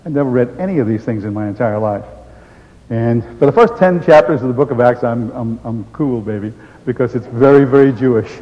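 An older man giving an animated storytelling testimony, acting out the voices he quotes. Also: mid-range voice, fairly quick. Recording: dull sound with long hall reverb.

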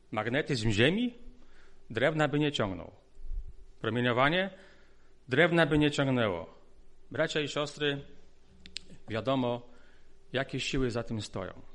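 Earnest higher-voiced male preacher. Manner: earnest, pleading, swings between soft asides and raised stresses; addresses listeners as "dear ones". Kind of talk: sermon.

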